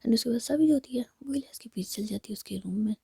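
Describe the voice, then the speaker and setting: A woman's voice: on the high side, quick pace, gravelly, mellow, slightly rough, no room sound, clean studio sound. A young woman whispering a chatty retelling of a romance drama, mixing in English words. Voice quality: whispering throughout. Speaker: storyteller.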